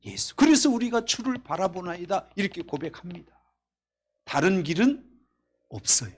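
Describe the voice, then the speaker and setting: A man preaching a Korean sermon at a Friday night service, reading scripture aloud, telling stories and asking the congregation questions, swinging between loud exclamations and quiet asides. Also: sits high, sing-song, moderate pace, slightly rough. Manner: reads scripture in a raised voice. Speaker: pastor. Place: church.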